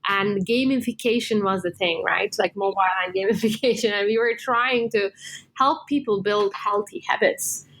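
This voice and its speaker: A woman's voice: medium pitch, normal speed, a bit bright. Turkish-born woman answering with many fillers. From Turkey. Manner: hesitant, many fillers and restarts. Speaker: guest, tech executive. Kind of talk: casual interview answers.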